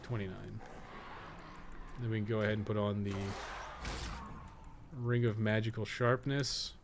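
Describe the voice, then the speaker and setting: A man's voice: lowish voice, level tone, a little slow. Man rambling over noisy gameplay. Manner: rambling, self-deprecating, thinking aloud. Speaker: podcast co-host and game streamer. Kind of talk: casual unscripted gameplay commentary. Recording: clearly noisy background.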